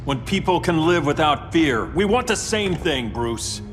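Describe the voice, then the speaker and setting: A commanding ruthless hero. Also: male voice, fairly high pitch, animated, measured pace, in a large hall, faint music behind. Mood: resolute. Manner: commanding, forceful. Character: powerful male hero turned ruthless, unyielding. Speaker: game character. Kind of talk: game cutscene acting.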